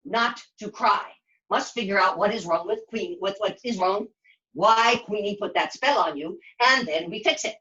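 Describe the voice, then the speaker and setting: A woman voicing a grumpy forest monster in a puppet show, blunt and gruff, talking in broken grammar. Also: medium pitch, normal speed, sharp tone, muffled recording, close to an everyday voice. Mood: gruffly kind. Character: grumpy forest monster, blunt, easily exasperated, secretly kind.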